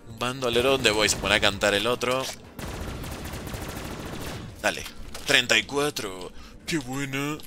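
A Venezuelan man streaming a game live, chatting with viewers and reacting in quick bursts. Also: mid-range voice, music in the background. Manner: lively, banters with chat, talks fast in bursts. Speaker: gaming streamer. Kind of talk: live gameplay commentary reading chat.

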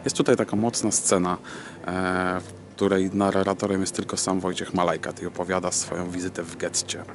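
Very deep-voiced man, halting vlog talk. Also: flat delivery, background noise. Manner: hesitant, halting, searching for words. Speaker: video host. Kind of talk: casual vlog talk to camera. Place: large empty cinema auditorium, indoors. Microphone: camera at arm's length.

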